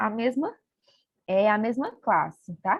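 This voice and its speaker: Somewhat breathy, a woman with a fairly high pitch talks at a fairly slow pace. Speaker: nursing school lecturer. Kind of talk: online lecture. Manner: halting.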